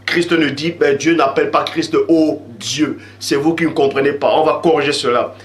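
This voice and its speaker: A man preaching an insistent sermon, reading Bible verses slowly and repeating lines for emphasis. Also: a little high, steady tone, echoey room, a little hiss or hum.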